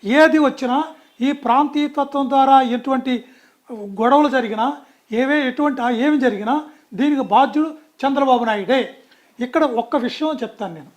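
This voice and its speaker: A man's voice: very high voice, normal speed. A man speaking as a guest in a political interview, talking emphatically and often restarting and correcting himself mid-sentence.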